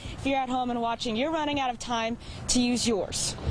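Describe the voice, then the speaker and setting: Her pitch high, a woman speaks with an American accent. Noticeable background noise runs under her voice. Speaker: consumer investigative TV reporter. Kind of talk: news stand-ups to camera, teaser lines. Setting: outdoors on location.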